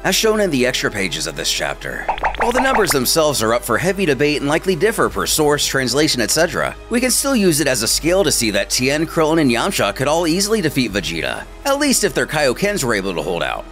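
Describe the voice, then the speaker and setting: A man's voice: mid-range voice, wildly swooping pitch, fast, a bit bright. A man narrating a story retelling in a playful way with wry asides. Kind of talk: comic story recap narration. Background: faint background music.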